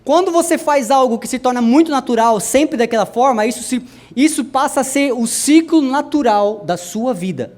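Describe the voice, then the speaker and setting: A young adult man preaching a sermon to a congregation, speaking to them directly and swinging his voice from soft to loud. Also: animated, moderate pace, hardly any pauses. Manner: addresses the congregation directly, wide swings in pitch and loudness.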